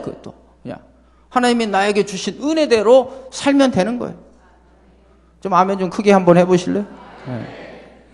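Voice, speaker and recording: A male pastor preaching a sermon to his congregation, lively and full of rhetorical questions. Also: high voice, in a large hall. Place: church sanctuary.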